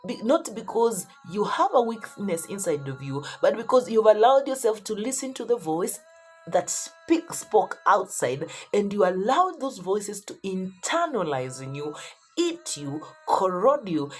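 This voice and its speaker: A woman's voice: medium pitch, big pitch swings, unhurried, a little mellow, breathy edge, faint music behind. A woman preaching a motivational Christian sermon, speaking emphatically and repeating phrases for effect.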